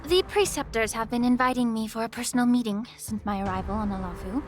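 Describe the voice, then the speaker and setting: A woman voicing a poised, shrewd official in a video game, speaking in a formal, measured, courteous way. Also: fairly high pitch, faint music behind, natural voice. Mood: firm, composed. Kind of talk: video game story dialogue.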